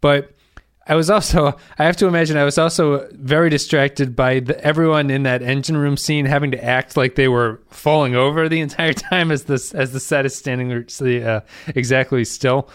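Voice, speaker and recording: A man's voice: mid-range voice, fairly even intonation, normal speed, smooth, no room sound, clean studio sound. Hesitant, laughing male podcast co-host. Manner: hesitant, many restarts, laughs often. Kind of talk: casual chat.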